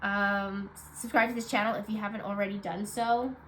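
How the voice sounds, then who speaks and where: A woman with a stuffed-up, nasal voice giving a casual weekly card reading, low on energy and rambling with many fillers. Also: little pitch movement, normal speed, fairly bright tone, slight background noise, low-quality recording. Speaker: tarot card reader.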